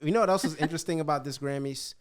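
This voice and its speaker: A man co-hosting a casual podcast, talking in animated bursts that trail off and restart. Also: on the high side, rapid-fire. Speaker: podcast co-host.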